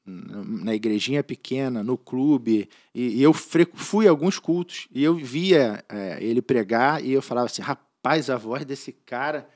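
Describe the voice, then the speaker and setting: A man's voice: mid-range voice, animated, normal speed, few pauses, a little mellow. Earnest Brazilian man sharing a testimony. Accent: Brazilian Portuguese. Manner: earnest, heartfelt storytelling with frequent restarts. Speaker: church member and podcast guest. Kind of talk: personal faith testimony in conversation.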